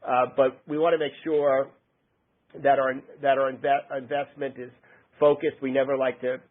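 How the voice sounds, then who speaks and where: A man speaking as a company executive on an earnings call, halting and often rephrasing his words. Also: mid-range voice, little pitch movement. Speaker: company executive answering analysts. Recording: narrow-band conference phone line.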